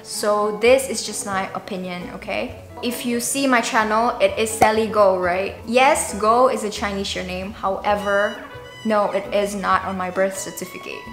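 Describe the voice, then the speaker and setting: A young woman from Indonesia, talking casually and chattily to her viewers as a vlogger. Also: mid-range voice. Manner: informal, chatty, with frequent "like" and small giggles. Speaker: YouTube vlogger. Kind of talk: casual talk to camera. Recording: roomy echo, music behind the voice. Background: background music.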